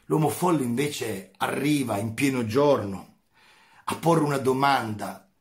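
Gravelly male philosophy teacher. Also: mid-range voice, measured pace. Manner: emphatic, repeats phrases for stress. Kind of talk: video lesson.

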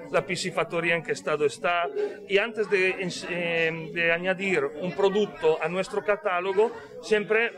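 Guy talking thru a face mask, high voice, lots of "ok?", crowd noise around. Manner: didactic, frequent tag questions. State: speaking through a face mask. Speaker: caviar company representative. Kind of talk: explaining in an interview. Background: crowd chatter.

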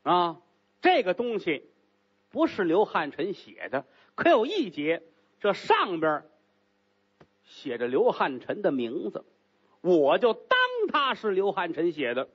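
A man voicing a haughty, commanding rich young concubine, speaking low and cool in a storytelling act. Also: huge pitch swings, unhurried, long pauses, breathy edge, dull audio, exaggerated voice. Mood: stern, commanding.

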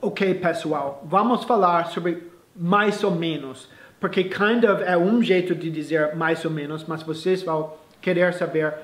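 A male English teacher explaining phrases, slowly and with restarts, in a casual lesson. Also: high voice, echoey room.

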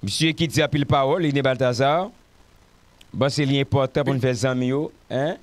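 A Haitian man hosting a panel show in a dry, close studio sound. He talks at an ordinary pitch, casual and hesitant, stumbling and restarting his sentences. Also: fairly quick, no room sound.

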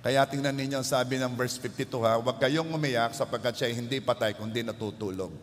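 A man's voice: medium pitch, steady tone, brisk, a little hiss or hum. A man preaching a sermon as pastor, building to emphatic, rising passages and slipping English phrases into his talk. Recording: long church hall reverb.

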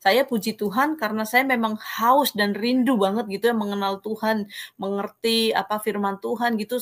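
A woman giving a personal faith testimony in an interview, telling her story in an earnest, halting way over a video call. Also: mid-range voice.

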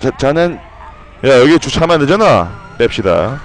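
A young man giving loud, excitable commentary while playing a video game, swearing and shouting at what happens on screen. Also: mid-range voice, moderate pace, slight background noise, rough recording. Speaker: gameplay streamer.

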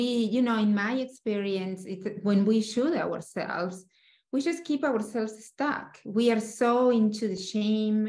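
A woman in her forties, a dating coach hosting, talking animatedly on a video call. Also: mid-range voice. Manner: animated, gestures widely. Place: room with a painting, indoors. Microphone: video call webcam. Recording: echoey room.

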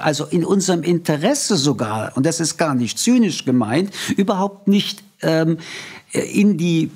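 Husky, lively older man in conversation. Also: high voice. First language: French. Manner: emphatic, expressive, gestures a lot. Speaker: interviewer. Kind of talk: reflective conversation. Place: small studio at a table. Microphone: studio mic on an arm.

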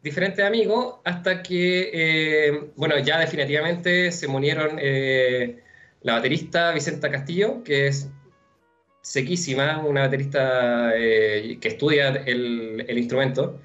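A young man with a Chilean accent answering interview questions on a video call from home, relaxed and rambling with many fillers. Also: on the high side, unhurried. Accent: Chilean Spanish. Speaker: musician guest. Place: room at home. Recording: dull lo-fi video call audio with faint music.

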